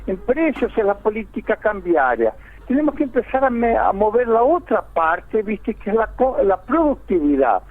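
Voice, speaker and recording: An Argentine economist, a guest on a radio interview over a tinny phone line, explains his points step by step, laying them out in order and using the tag "¿viste?". His voice sits high with big pitch swings at normal speed, and his Argentine Spanish accent carries a Brazilian Portuguese lilt.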